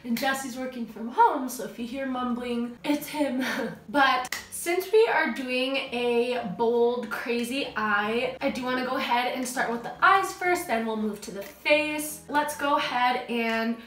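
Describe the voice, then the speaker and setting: A woman's voice: sits high, unhurried, a bit bright, reverberant. Nasal young woman, chatty makeup tutorial. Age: young adult. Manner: chatty, gushing, self-teasing. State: stuffy nose. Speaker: beauty vlogger. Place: small home room, indoors. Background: dogs playing.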